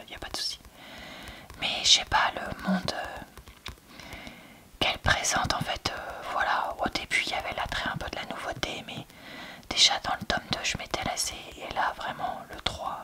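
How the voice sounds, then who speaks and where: Casting: female ASMR book reviewer, hushed library whisper, very crisp bright edge, informal and halting delivery. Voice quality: soft, breathy unvoiced whisper, like a library whisper. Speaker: book reviewer, host of a reading channel.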